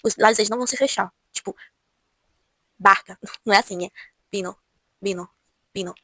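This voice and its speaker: A Brazilian woman teaching Spanish pronunciation in a casual video lesson, often repeating words slowly to show each sound. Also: medium pitch, bright, forceful tone, no room sound. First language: Portuguese.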